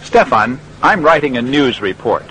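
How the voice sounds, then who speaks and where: A friendly reporter. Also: male voice, medium pitch, very animated, moderate pace, sharp tone, rough recording. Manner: clear, patient, friendly. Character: friendly male American radio reporter. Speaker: interviewer. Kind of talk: scripted learner dialogue.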